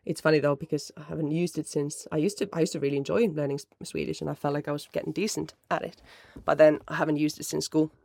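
Thirties, gravelly, dry close sound, rambling solo chat. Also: mid-range voice, little pitch movement, fast talker, hardly any pauses, no room sound. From Finland. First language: Finnish. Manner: mellow, rambling, self-correcting. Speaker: podcast host. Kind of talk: casual solo chat answering listener questions.

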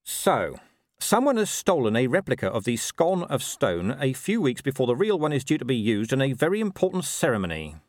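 A man playing a weary, sardonic senior policeman in an audiobook, speaking in a dry, deliberate, clipped way. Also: mid-range voice, sing-song, no echo, pitched above the performer's own voice, lightly acted. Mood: wry. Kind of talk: audiobook character voice.

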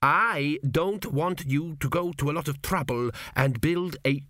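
A shrill, fretful ghost of an old king, as a man puts him on, his thin voice climbing high and tight. He pleads, then drops to a hoarse whisper. The recording is dry and close. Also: unhurried, sharp tone, no echo. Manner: pleading, breaking into whispers and screams. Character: old frail ghost king, fussy and anxious.

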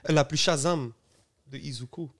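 A man, a podcast co-host asking relaxed, curious questions. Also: a little high, normal speed. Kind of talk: casual podcast chat.

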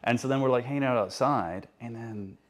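A man telling a childhood ghost story in a laid-back, halting way, full of pauses and ums, as a podcast guest. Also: medium pitch. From Canada.

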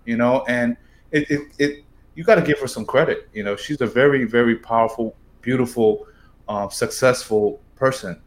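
A man's voice: mid-range voice, moderate pace. A man co-hosting a podcast in casual chat, rambling and dropping lots of "you know"s. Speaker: podcast co-host.

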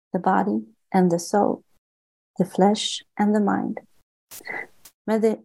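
A Swedish-accented woman reads aloud from her own book in a steady, earnest way. Her voice is gravelly and mellow, and she sometimes restarts a word before carrying on. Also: medium pitch, rough recording. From Sweden. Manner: earnest and measured, with small restarts on words. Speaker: author and guest.

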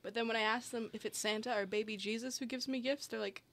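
A woman's voice: a little high, fairly even intonation, fast talker, a bit bright, a little hiss or hum. A young woman co-hosting a podcast, chatting casually and telling stories with playful quoted voices. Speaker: podcast co-host. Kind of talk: casual chat.

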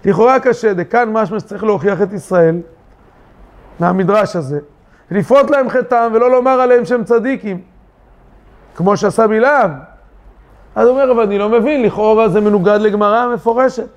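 A man, a rabbi, teaching a weekly yeshiva Torah lesson, lively with rhetorical questions and acted-out quotes. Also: high-pitched. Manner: animated, rhetorical questions, acts out quoted voices. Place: yeshiva study hall. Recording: dull lo-fi recording.

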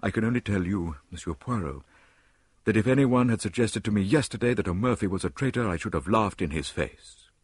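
A man voicing a troubled elderly English statesman in an audiobook, measured and formal. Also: fairly low pitch, expressive, breathy edge, dry recording, studio quality, voice pushed up. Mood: grave.

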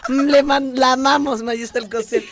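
A woman's voice: high voice, steady tone, normal speed, soft background music. A woman with a Mexican accent co-hosting a gossip podcast, sarcastic and chatty, often laughing. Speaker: podcast co-host. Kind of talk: casual gossip chat.

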